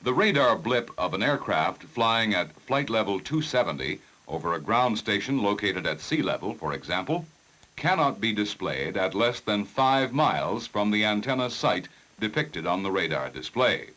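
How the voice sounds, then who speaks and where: Deep-voiced male 1960s training film narrator. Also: very animated, sharp tone, poor audio. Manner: formal, measured, precise enunciation. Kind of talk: scripted technical narration.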